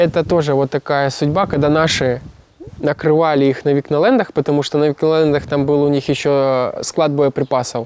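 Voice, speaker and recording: The loudness stays very even, with fairly even intonation, a moderate pace and a dry, close sound with no echo. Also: man. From eastern Ukraine, Donetsk region. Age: 20s. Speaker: psychologist. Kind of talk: interview testimony. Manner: halting.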